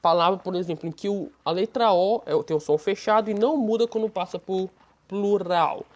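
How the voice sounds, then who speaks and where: A woman's voice: mid-range voice, a little fast, a little mellow. A woman with a Brazilian Portuguese accent teaching an online language lesson, explaining step by step in a patient, friendly way.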